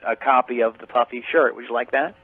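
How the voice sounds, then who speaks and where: A man's voice: medium pitch, steady tone, fast talker, breathy edge, dry recording. A man calling in to a radio show and teasing the host in a needling, mock-bossy way, his voice coming over a thin phone line. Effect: voice heard over a phone line on a radio broadcast. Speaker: caller. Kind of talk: call-in radio banter.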